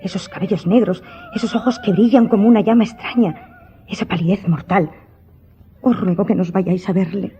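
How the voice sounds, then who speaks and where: A woman's voice: medium pitch, steady tone, moderate pace, mellow, a little hiss or hum, lightly acted. A woman playing a superstitious, imperious countess in a radio drama, speaking in a formal, dramatic, insistent way. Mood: frightened, pleading. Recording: dull recording with background music.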